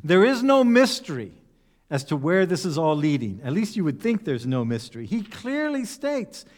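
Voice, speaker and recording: A man's voice: on the high side, very animated, moderate pace, long reverb tail. A man preaching a conversational sermon, putting rhetorical questions to his listeners. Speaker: pastor.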